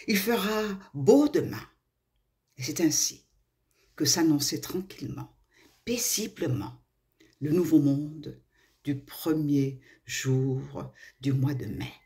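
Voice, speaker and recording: A woman from Morocco telling a children's tale expressively, with dramatic pauses and hushed phrases. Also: low-pitched. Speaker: storyteller.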